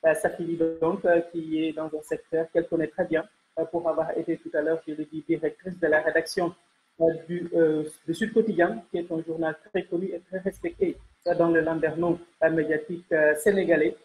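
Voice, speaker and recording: A woman's voice: deep voice, little pitch movement, a little fast, darkish tone, rough recording. A woman presenting a panel interview as host, speaking in a formal, courteous way. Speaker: host and journalist.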